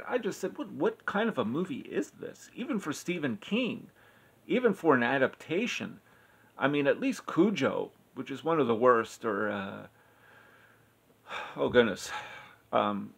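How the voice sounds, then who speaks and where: A man giving a casual spoken film review, rambling and halting, often correcting himself mid-sentence. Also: mid-range voice, vocal fry, breathy edge. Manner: rambling, halting, with frequent self-corrections and filler.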